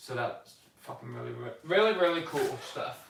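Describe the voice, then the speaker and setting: A mumbling man with an American accent at a fairly quick pace, amid audible room echo. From United States. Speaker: pro skateboarder. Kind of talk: casual livestream talk. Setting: live stream at home. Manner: animated.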